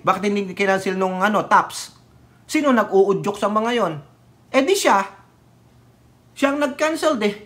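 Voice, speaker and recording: A man's voice: high-pitched, fairly bright tone. A man from the Philippines ranting in casual political commentary, sarcastic and mocking, often laughing and mixing in English phrases. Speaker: political vlogger.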